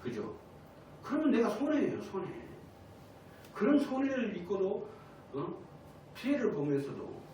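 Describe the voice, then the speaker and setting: Animated high-voiced male pastor preaching. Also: measured pace, long pauses, a little hiss or hum. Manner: animated preaching, asks the congregation questions. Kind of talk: sermon. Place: church sanctuary. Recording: echoey church hall from a distance.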